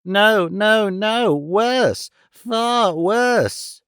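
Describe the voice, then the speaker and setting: A man's voice: sits high, animated, extremely slow, a bit bright, clean tone, no echo, clean studio sound, pitched above the performer's own voice, heavily acted. A man voicing a panicky old miserly moneylender who shrieks and wails. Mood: frantic. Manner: shrieking, wailing.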